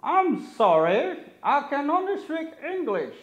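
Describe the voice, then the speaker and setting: A man doing a high, friendly puppet uncle. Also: big pitch swings, a bit bright, heavily acted. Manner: slow, simple English phrases. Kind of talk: puppet show for children. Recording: echoey, dull lo-fi room.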